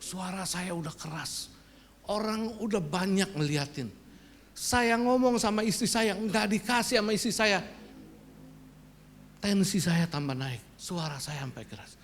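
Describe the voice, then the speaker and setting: A male pastor preaching in church, telling a personal story with sudden loud outbursts and quiet confessions. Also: sits high, animated, a little slow.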